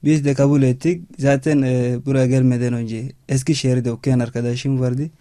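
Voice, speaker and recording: A 21-year-old man from Chad with a Chadian accent, answering interview questions in halting, non-native Turkish. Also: mid-range voice, flat delivery, dark tone, no echo, studio quality. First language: not Turkish. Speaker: student guest.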